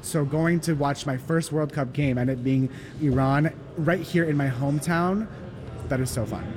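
A man's voice: fairly high pitch, moderate pace, darkish tone, a little hiss or hum. A man in his thirties from Los Angeles, a cafe owner, talking in an upbeat, earnest way. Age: 30s.

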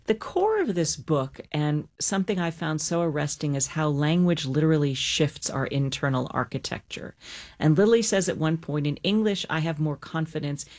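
A woman with a notably low voice hosts an interview. She asks an author curious, attentive questions about her work. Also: animated, moderate pace, a little mellow. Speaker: interview host.

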